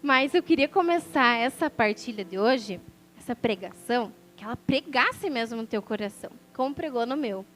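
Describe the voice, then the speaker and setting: A woman's voice: a little high, animated, moderate pace, fairly bright tone. A woman sharing a personal testimony as a sermon, telling the story with animation and acting out the voices of people she quotes. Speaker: preacher.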